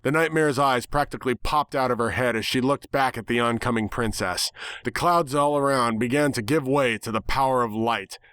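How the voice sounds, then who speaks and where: A man's voice: medium pitch, moderate pace, fairly bright tone, smooth, dry recording. A man giving a dramatic scripted reading of a story as its narrator.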